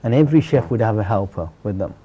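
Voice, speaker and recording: This celebrity chef, a middle-aged Bangladeshi man from Sylhet, speaks fast in a low-leaning, husky voice with lively intonation, and the recording cuts off the highs. As an interview guest he recounts his personal story earnestly, leaning on emphatic, repeated phrasing.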